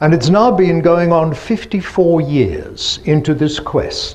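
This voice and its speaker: Speaking fairly slowly with ordinary pitch variation, a high-pitched man is heard through noticeable background noise. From South Africa. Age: 70s. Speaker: health practitioner and presenter. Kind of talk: presentation to an audience.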